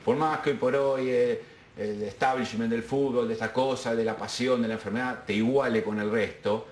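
A man being interviewed at home as a football fan, talking in a measured, reflective way. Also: mid-range voice, steady tone, echoey room, slight background noise. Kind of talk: casual interview.

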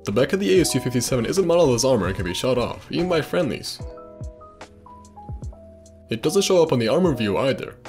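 A man's voice: mid-range voice, sing-song, fast talker, pauses often, a little mellow, soft background music. A man reading scripted narration for a video game trivia video.

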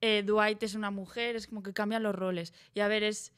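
A woman's voice: medium pitch, level tone, a little fast, clean tone. A woman from chatting eagerly about TV series as a guest, rambling with fillers and restarts. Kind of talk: casual chat about TV series.

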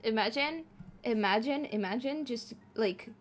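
A woman's voice: a little high, measured pace, slight background noise. A woman streaming live as a VTuber, chatting casually with her chat while playing a game, giggling often and swearing freely.

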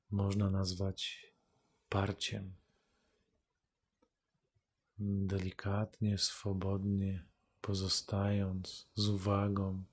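A man leading a guided meditation as a teacher, calm and unhurried, speaking in measured phrases with long pauses. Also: lowish voice, breathy edge.

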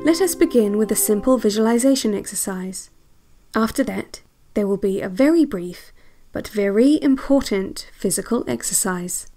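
A woman playing a calm, controlling instructor on a guided visualization cassette, speaking slowly in a measured, clinical way. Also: medium pitch, faint music behind. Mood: calm, controlled. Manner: slow, measured, clinical, hypnotic. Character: calm, controlling female relaxation-tape instructor.

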